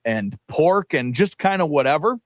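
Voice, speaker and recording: A man, co-hosting a morning sports radio show and telling stories with excitement and frequent laughter. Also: a little high, moderate pace, no room sound. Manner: excited storytelling, laughs often. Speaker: co-host. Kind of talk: casual sports radio chat. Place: radio studio.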